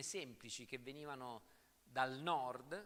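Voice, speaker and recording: A man with a slight Roman accent, a bright, sharp tone and a fairly slow pace. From Italy, Turin. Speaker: preacher. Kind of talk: sermon.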